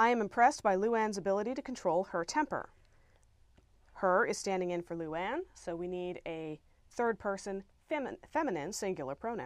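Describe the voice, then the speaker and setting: A normal speaking voice with an American accent and lively intonation moves at a moderate pace against a quiet background. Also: woman, medium pitch for a woman. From United States. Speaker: grammar teacher. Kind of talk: lecture. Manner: clear, measured.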